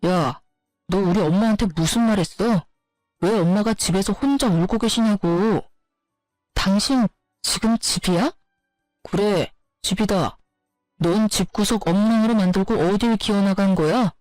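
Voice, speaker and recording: A woman's voice: medium pitch, normal speed, a little mellow, no echo, faint music behind, natural voice, poor audio. Brief: snappish tired husband, read by a woman, blaming tone, storybook reading, dry close sound. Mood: accusing. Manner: accusing, snappish. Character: irritable tired young husband.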